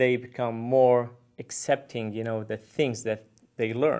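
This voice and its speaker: Speaking with an Arabic accent, a man keeps a moderate pace, a medium pitch and fairly even intonation. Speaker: immigrant parent on panel. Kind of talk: panel talk. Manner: halting, many fillers.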